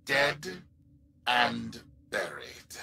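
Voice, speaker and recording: An actor playing a vain, scheming merchant tycoon in a video game, pompous, oily and melodramatic. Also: male voice, medium pitch, sing-song, extremely slow, vocal fry, breathy edge, exaggerated voice. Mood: oily bargaining. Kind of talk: video game villain dialogue. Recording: loud music behind.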